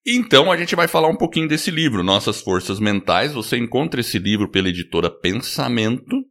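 A man hosting a podcast in casual chat, talking in a lively way and laughing easily. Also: mid-range voice. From United States. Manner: lively, animated delivery with quick laughs. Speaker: podcast host.

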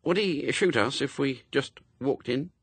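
A man's voice: mid-range voice, measured pace, a bit bright, slightly rough, no room sound, voice pushed up. A man reading aloud as a nervous, awkward young man who speaks hesitantly. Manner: hesitant, anxious.

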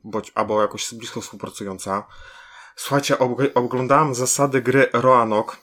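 A man's voice: medium pitch, fairly even intonation, normal speed, a bit bright. A man co-hosting a casual board game podcast, talking in a rambling way with many restarts. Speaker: podcast co-host. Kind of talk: casual chat.

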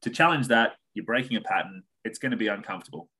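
A man's voice: lowish voice, expressive, fast, bright, forceful tone, husky. A man with an Australian accent, a podcast guest talking in a reflective, philosophical way and swearing casually. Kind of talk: casual chat.

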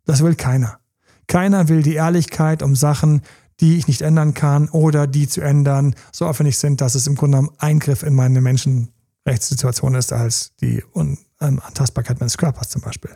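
A man coaching on intimacy in a relaxed advice talk. His voice is gravelly, dark and husky, pitched a bit above the usual male range. He hammers home points through repetition and slips into animated little scenes of dialogue. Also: moderate pace. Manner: emphatic, repeats key phrases; acts out quoted dialogue in lively voices. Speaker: sex coach.

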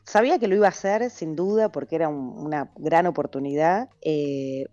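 Argentine actress, interview guest, low mellow voice, dry muffled sound, chatty and laughing. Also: female voice, normal speed, no room sound. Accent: Argentine Spanish. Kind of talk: casual interview.

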